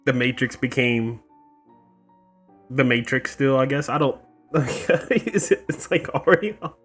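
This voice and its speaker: A man's voice: medium pitch, lively intonation, unhurried, fairly bright tone, soft background music. A man giving casual let's-play commentary, laid-back and slangy, reacting as a gaming YouTuber.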